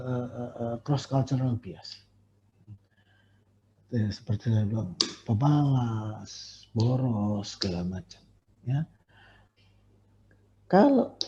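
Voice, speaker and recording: A man with a medium-pitched, mellow voice gives a recorded university lecture on staff appraisal, speaking conversationally with many fillers and self-corrections. The recording is dull and lo-fi, with slight background noise.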